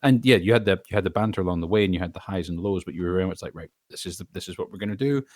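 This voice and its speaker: Deep-voiced man in interview. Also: racing, a little mellow, dry recording, studio quality. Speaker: voice actor, podcast guest. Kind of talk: casual interview discussion.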